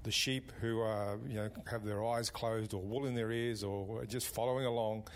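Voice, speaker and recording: A man's voice: fairly low pitch, steady tone, moderate pace. A man speaking hesitantly on a talk radio panel, rambling with many restarts. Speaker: panel guest.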